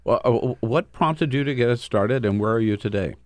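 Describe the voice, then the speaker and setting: A man hosting a casual political discussion, talking in an animated way and often tagging his points with "right?". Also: mid-range voice, a little fast, no room sound. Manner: animated, frequent "right?" tags. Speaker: host.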